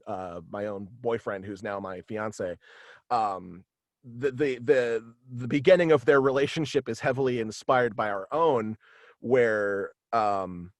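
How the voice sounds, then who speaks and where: A man talking casually as an interview guest on a video call, halting and animated in manner. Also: medium pitch, no echo, studio quality. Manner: halting and animated, slipping into quoted dialogue. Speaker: guest, voice actor and author. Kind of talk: casual interview chat about own radio play. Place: indoors at home, on a video call.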